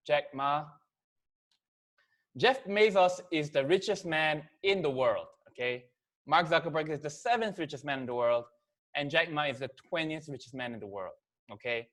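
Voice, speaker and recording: A man's voice: a little high, normal speed, fairly bright tone. A man in his thirties from Korea, whose first language is Korean, giving a casual, chatty business presentation to camera, full of fillers and "okay?" check-ins.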